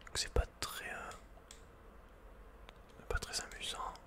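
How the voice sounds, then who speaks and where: A man whispering unhurriedly as he thinks aloud, hosting an ASMR video game playthrough. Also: slow pace. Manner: whispering throughout. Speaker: ASMR gamer host.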